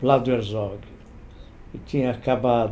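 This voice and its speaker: The pace of this man's speech is very slow. There is ordinary variation in his pitch. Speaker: magazine editor-in-chief, journalist. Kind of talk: weekly commentary to camera.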